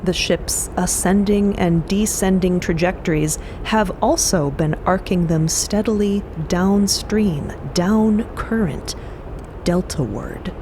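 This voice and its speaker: A woman narrating a scripted story in a conversational way, with clear ambient noise behind her. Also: fairly low pitch, slow.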